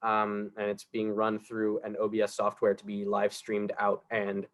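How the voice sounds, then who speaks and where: A man's voice: on the low side, completely flat delivery, moderate pace. A young man, an acting student, talking at length about his classes and projects on a video call panel. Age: young adult. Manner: chatty, explains at length. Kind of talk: casual panel talk. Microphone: video call mic.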